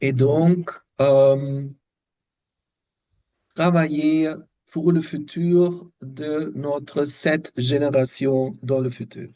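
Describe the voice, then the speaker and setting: Very slow, halting man with German accent. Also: fairly high pitch, fairly even intonation, warm tone, muffled recording. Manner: halting, searching for words. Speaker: workshop participant, systemic design researcher. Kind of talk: slow, thoughtful remarks in a second language. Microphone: video call microphone.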